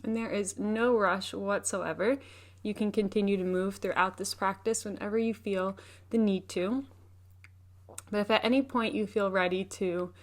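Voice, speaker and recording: A woman leading a guided meditation as a teacher, speaking in a gentle, unhurried, soothing way. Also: medium pitch.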